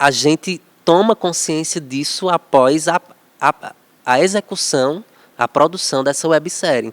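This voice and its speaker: Speaking at a very slow pace, a man with a Cearense accent is heard in a dry, close recording with no echo. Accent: Cearense (Brazilian northeastern) Portuguese. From Juazeiro do Norte, Ceará, Brazil. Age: 20s. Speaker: actor and production director. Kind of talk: casual chat.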